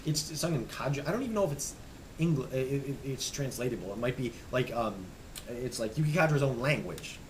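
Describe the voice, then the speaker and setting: A young man casually rambling as he shows off his music collection, stammering and restarting, hoarse and losing his voice. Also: medium pitch, expressive, fairly quick, slight background noise, low-quality recording. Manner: enthusiastic, rambling, stammers and restarts, trails off quietly. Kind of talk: casual rambling show-and-tell.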